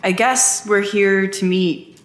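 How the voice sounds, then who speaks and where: A woman's voice: medium pitch, steady tone, slow, lightly acted. Actress as earnest young woman in roomy space. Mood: earnest, polite. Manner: earnest, tentative, conversational. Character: earnest, polite, curious young woman searching for answers. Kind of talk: naturalistic audio drama dialogue. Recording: roomy echo under music.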